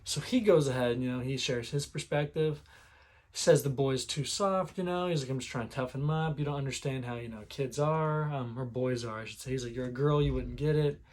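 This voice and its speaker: A man retelling a manga chapter in casual commentary, rambling with many fillers and clearing a sore throat now and then. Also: mid-range voice, brisk, a little mellow. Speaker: manga reviewer.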